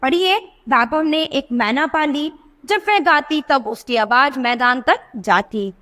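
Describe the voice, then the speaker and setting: High-voiced woman teaching children. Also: animated, bright, forceful tone. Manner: asks children questions and answers them herself; stretches out words slowly to show the sounds. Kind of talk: children's lesson.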